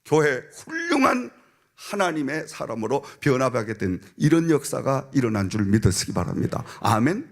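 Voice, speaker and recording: A man's voice: mid-range voice, big pitch swings, normal speed, gravelly. A man preaching a sermon as senior pastor, telling a story and acting out the voices of its people, often asking "eh?" of the congregation. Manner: storytelling preacher, acts out a child's and a minister's voices, frequent "응?" and "아멘". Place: church sanctuary.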